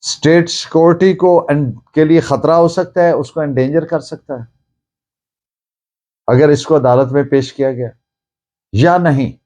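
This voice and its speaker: A man with a Pakistani accent giving a lecture in a deliberate, emphatic, didactic way, mixing in English phrases. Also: on the high side, darkish tone. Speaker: law lecturer. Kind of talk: lecture on evidence law, dictating citations.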